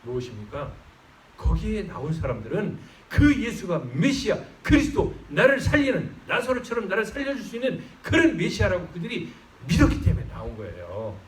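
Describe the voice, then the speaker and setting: Pastor, male, high animated delivery, fervent; roomy church sound, mic at a distance. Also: brisk, slight background noise. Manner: fervent preaching, swells loud on exclamations. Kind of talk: sermon. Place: church sanctuary.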